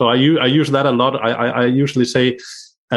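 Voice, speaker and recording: Speaking with a Danish accent, a man talks at a medium pitch and a moderate pace. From Denmark. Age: 40s. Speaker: negotiation consultant. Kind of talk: casual chat.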